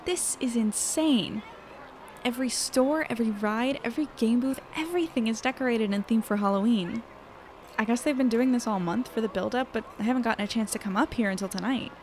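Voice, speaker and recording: An actress plays a friendly young woman in an audio drama, talkative and a little wry. Her voice is fairly high and natural, over faint background ambience. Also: a little hiss or hum, lightly acted.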